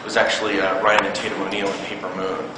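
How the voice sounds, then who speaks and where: A male actor explaining his character on a convention panel, halting with many restarts. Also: lowish voice, completely flat delivery. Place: large convention hall stage. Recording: echoey hall from far off, noisy.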